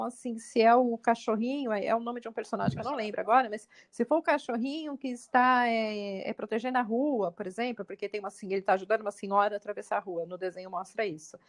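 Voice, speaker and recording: A Brazilian woman co-hosting a podcast, talking quickly in a high, bright register. She tells anecdotes in casual chat and leaps even higher when she quotes others. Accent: Brazilian Portuguese. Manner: animated, jumps pitch when quoting others. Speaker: podcast co-host.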